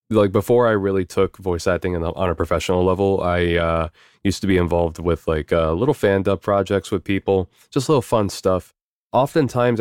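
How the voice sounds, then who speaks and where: A young man with a very deep, low voice talks through interview questions in an easygoing, meandering way, full of ums and the odd swear. He's from New York, and the recording is dry and close with no room sound. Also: darkish tone, dry recording. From New York, USA. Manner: easygoing, rambling, frequent fillers and swearing. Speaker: voice actor interviewee. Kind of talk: casual interview answers.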